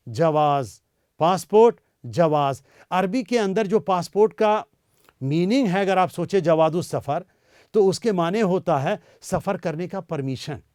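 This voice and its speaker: High-voiced man teaching slow vocabulary drills. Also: a little mellow, clean tone, studio quality. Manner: slow drilling, repeats each word for the listener to echo. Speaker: language teacher. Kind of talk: beginner language lesson.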